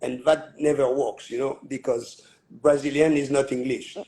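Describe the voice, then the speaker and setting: Halting man interviewing. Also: mid-range voice, level tone, mellow, rough recording. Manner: halting, many fillers and restarts. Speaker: host. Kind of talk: live online interview.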